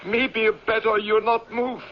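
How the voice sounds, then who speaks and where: A man playing a cautious Native American mountain guide in a radio drama, speaking halting, clipped broken English. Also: sits high, flat delivery. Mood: wary. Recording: muffled, noisy old radio broadcast.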